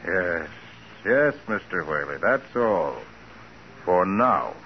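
An actor playing a dogged, authoritative private detective in a brisk, insistent 1940s radio crime drama style. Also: male voice, sits low, sing-song, music in the background, exaggerated voice. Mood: firm, challenging. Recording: muffled, noisy 1940s radio recording.

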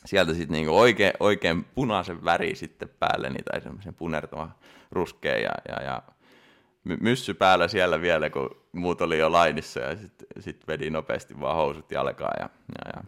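A man's voice: a bass voice, gravelly, a bit bright. A man in his thirties, a competitor, telling a story in a casual interview with many restarts and fillers. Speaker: bodybuilding competitor guest.

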